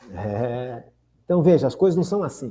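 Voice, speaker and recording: A man's somewhat breathy voice has a dark, mellow tone and a fairly high pitch. He speaks at a moderate pace with lively intonation. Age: 60s. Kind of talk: religious formation talk.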